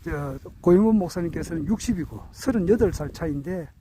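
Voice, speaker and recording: A man in his sixties giving a reflective spoken talk, earnest and hesitant, with many drawn-out fillers and self-corrections. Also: a little high, lively intonation, warm tone, a little hiss or hum, low-quality recording. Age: 60s. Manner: earnest, self-correcting while counting out years. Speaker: speaker sharing reflections on his teachers.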